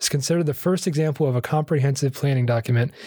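At a fairly high pitch, a man with an American accent sounds somewhat breathy with a dark, mellow tone, recorded dry and close with no echo. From United States. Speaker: podcast host and episode writer. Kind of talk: scripted narration; casual chat.

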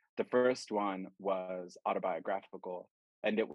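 Fairly low male tones against background music. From North Carolina, Puerto Rican household. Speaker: community organizer. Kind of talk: casual chat.

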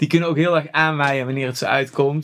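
Rushing at a very fast pace, a man speaks with a fairly high pitch and fairly even intonation. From Netherlands, North Brabant. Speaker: podcast host. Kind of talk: casual interview chat. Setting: studio.

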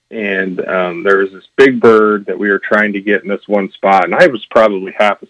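In a normal speaking voice, a man with fairly low pitch talks at a moderate pace, with a dry, close sound and no echo. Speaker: outdoor footwear company representative. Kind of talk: interview. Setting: phone call.

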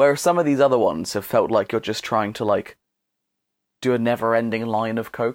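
Talking at a fairly quick pace, a man with an unremarkable speaking voice sits at a medium pitch and shows ordinary pitch variation. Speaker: podcast host. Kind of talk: casual banter, podcast chat. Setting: video call. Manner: laughing, jokey.

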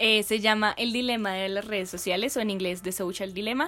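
It's an ordinary speaking voice. The pace is fairly quick. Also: woman. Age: 20s. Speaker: podcast co-host. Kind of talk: casual chat.

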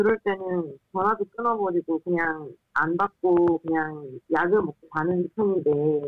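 Speaking at a very slow pace yet with hardly any pauses, a woman uses ordinary pitch variation. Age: 20s. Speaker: caller. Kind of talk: personal testimony. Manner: halting.

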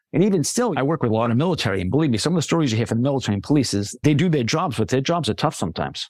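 With a Boston accent, a man rattles along at a very fast pace with hardly any pauses and lively intonation, on a very clean recording with a silent background. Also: medium pitch for a man. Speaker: fitness coach and mental health advocate. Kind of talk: interview conversation.

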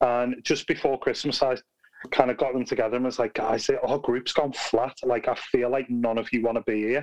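In a Liverpool accent, a man speaks at a medium pitch with monotone, flat intonation. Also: moderate pace, dry, close sound with no echo. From Liverpool, England. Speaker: youth pastor. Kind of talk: panel discussion.

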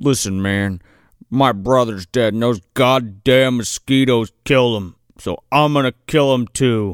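A man speaks at a fairly slow pace in a put-on character voice with a medium pitch. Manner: flat monotone, no inflection.

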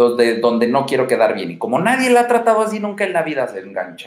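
Very fast, animated speech from a man with a Mexican accent. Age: 30s. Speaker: dating coach streamer. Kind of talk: casual livestream chat.

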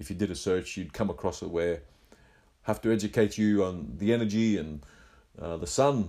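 Here a man with a dark, mellow tone speaks at a fairly low pitch and a moderate pace. His pitch varies in an ordinary way, and he leaves long, frequent pauses. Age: 50s. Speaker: health podcaster. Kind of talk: solo podcast monologue. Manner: halting, many fillers.

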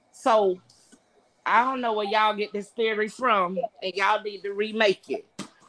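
At a moderate pace, a woman with an unremarkable speaking voice talks at a fairly high pitch with fairly even intonation. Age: 40s. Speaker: podcast co-host. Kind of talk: casual chat.

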